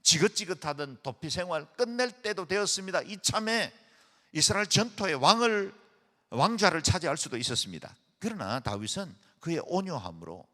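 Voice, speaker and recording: A man's voice: fairly high pitch, pushed and bright. A man preaching a sermon as a church pastor, earnest, with rising, emphatic phrases. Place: church sanctuary. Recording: long hall reverb.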